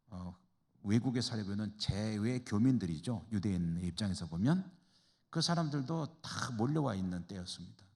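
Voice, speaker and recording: A man, a pastor from the Chungcheong region, teaching a church Bible study in a conversational way and asking the class rhetorical questions. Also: medium pitch. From Chungcheong, Korea. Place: church hall. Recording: reverberant church hall.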